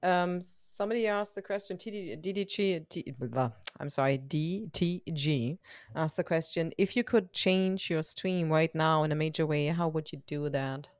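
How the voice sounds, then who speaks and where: A woman's voice: deep voice, normal speed, no room sound, clean studio sound. A woman from Germany with a German accent, speaking English as a second language and hosting a casual, conversational interview. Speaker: interview host, photographer.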